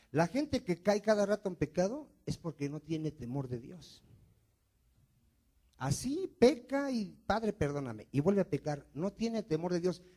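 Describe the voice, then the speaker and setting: A man's voice: fairly high pitch, dark tone. A male pastor preaching a sermon, asking the congregation questions and answering them himself.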